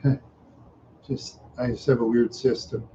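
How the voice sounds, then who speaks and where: An older man chatting in a slow, rambling way on a livestream, repeating "yeah" and chuckling often, tired and unwell. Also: mid-range voice, little pitch movement, dark tone. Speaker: livestream host. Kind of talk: rambling casual livestream chat. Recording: dull lo-fi stream audio with faint noise.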